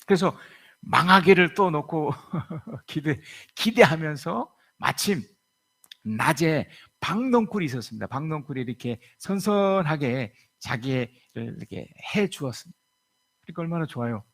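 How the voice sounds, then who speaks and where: Gravelly man preaching. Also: fairly high pitch, moderate pace. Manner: lively storytelling, acting out quoted voices. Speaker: pastor. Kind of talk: sermon. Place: church sanctuary.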